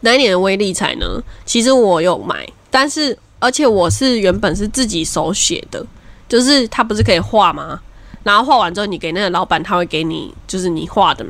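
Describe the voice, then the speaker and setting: A woman's medium-pitched voice carries lively intonation and vocal fry at a moderate pace. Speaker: podcast co-host. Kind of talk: casual chat.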